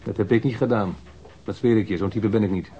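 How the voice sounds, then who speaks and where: An actor playing a defensive, rough-mouthed street robber under police questioning in a radio crime drama, slangy and halting. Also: male voice, on the low side, natural voice. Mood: agitated, protesting. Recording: dull lo-fi radio drama recording.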